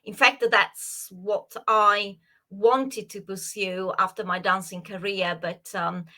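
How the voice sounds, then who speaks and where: A woman's voice: mid-range voice, fairly even intonation, takes it slowly, sharp tone. A woman from Italy, a psychologist and former dancer, answering interview questions hesitantly with many fillers and restarts. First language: Italian.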